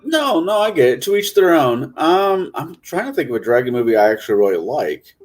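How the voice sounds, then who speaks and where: A man's voice: fairly high pitch, big pitch swings, a little fast. A man chatting casually as a guest on a live talk show, asking questions and reacting. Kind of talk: casual chat.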